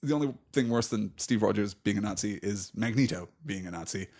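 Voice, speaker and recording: Emphatic man with a mid-pitched voice. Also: fairly quick, a little mellow. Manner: emphatic, repeats words for effect. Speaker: podcast co-host. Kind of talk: casual opinionated discussion.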